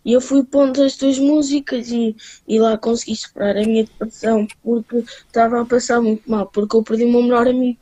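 Woman fan, halting delivery, flat and mellow tone. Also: fairly high pitch, no echo. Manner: halting, hesitant. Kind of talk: personal account.

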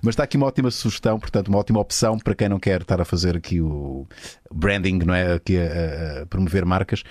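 Male host, European Portuguese accent, lowish voice, rapid casual delivery with stumbling repetitions. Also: a little mellow, no room sound, clean studio sound. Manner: halting, repeats his words. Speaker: talk show host. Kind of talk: casual conversational hosting.

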